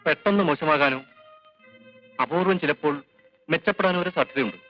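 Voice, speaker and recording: An actor playing a calm male doctor who explains a grim prognosis in a measured way, slipping in English phrases. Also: on the high side, close to an everyday voice. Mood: grave. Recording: dull film soundtrack with faint music.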